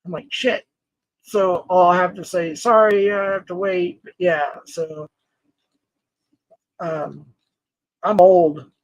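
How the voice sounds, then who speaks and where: A man's voice: sits high, steady tone, slow pace, pauses often, no room sound, low-quality recording. A man in his forties hosting a casual livestream, rambling, laughing often and greeting chat viewers by name. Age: 40s. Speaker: livestream host.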